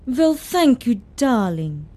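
A woman's voice: a little high, sing-song, slow, dark tone, pitched above the performer's own voice, exaggerated voice. A woman voicing a reassuring father in his forties who speaks in a soothing, cheerful way. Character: reassuring father turning forty.

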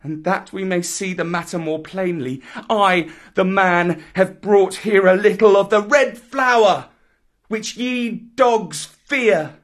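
A man's voice: sits high, slow, pitched above the performer's own voice. A man voicing a proud young jungle boy in a storybook, defiant and commanding, with declamatory archaic speech. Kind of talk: dramatic storybook reading.

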